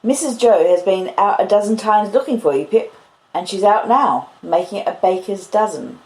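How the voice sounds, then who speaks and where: Woman putting on a gentle, slow blacksmith, echoey room. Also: high voice. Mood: confiding. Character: gentle, simple-hearted country blacksmith, a big childlike man.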